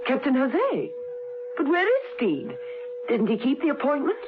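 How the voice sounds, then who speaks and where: A direct young woman, high swooping voice, tinny radio drama recording. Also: wildly swooping pitch, a little slow, exaggerated voice. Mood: puzzled, insistent. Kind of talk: 1970s radio drama acting. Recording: tinny old radio, music behind.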